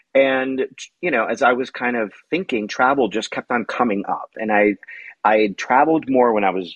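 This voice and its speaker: This is a plain, everyday voice belonging to a man. He keeps a moderate pace and ordinary pitch variation. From Miami, Florida (born in Cuba). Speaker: travel writer and actor. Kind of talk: casual interview chat.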